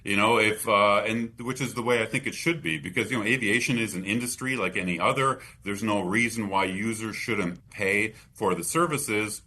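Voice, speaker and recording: A North American man answers as a policy expert in an interview. His voice is fairly low but bright and forceful, and he explains haltingly, restarting phrases as he goes.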